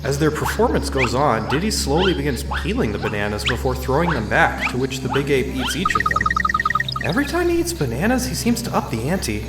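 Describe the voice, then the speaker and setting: A man's voice: mid-range voice, wildly swooping pitch, fairly quick. A man playing a mild, observant young tourist who narrates in the first person in an audio drama. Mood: musing. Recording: roomy echo, clear background music.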